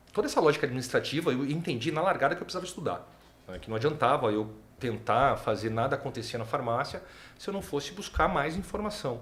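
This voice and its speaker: A man's somewhat breathy voice in a Paraná accent, with lively intonation and a fairly quick pace. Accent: Paraná accent, still kept. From Paraná, Brazil (Curitiba). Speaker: pharmacy company CEO. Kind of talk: podcast interview.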